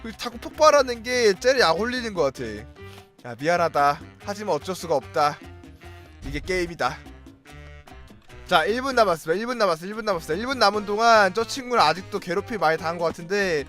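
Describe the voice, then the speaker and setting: A man's voice: sits high, expressive, quick pace, a bit bright. A young man giving playful, teasing commentary over his own gameplay, breaking into sing-song taunts. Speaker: gaming YouTuber. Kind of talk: Let's Play commentary. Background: game music.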